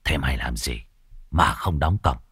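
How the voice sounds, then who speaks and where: A man voicing a greedy, harsh old rich landowner who barks orders in a gruff, bossy way. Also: a bass voice, normal speed, fairly bright tone, no echo, clean studio sound, pitched below the performer's own voice, full character voice. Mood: angry.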